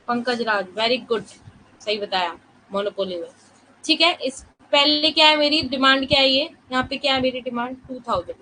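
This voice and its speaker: A woman teaching a live online class, explaining slowly and softly with many rhetorical questions while she is fasting and low on energy. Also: a little hiss or hum, rough recording.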